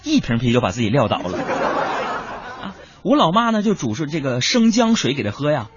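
A man's voice: a little high, huge pitch swings, normal speed, noisy background. A young man hosting a radio show, telling comic stories about his family in a playful voice and acting out their voices. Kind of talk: comic storytelling monologue. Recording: dull lo-fi radio recording with music.

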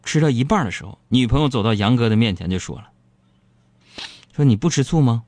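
A man hosting, telling listener jokes in a comic storytelling style, animated and quick to laugh at his own punchlines. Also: mid-range voice. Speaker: host reading listener jokes.

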